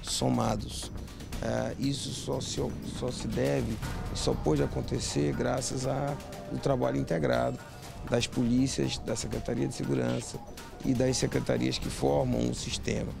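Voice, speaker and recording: Gravelly, monotone Brazilian official. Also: male voice, mid-range voice, a little slow. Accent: Brazilian Portuguese. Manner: flat, official, hesitant fillers. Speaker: security official. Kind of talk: interview soundbite. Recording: TV interview clip with music bed.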